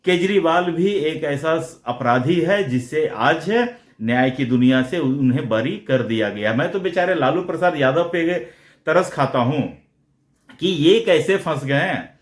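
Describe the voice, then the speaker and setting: Slow, blunt-talking man in an echoey room. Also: a little high, animated. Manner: blunt and combative, slipping English phrases into Hindi. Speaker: political commentator. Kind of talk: opinionated solo commentary to viewers.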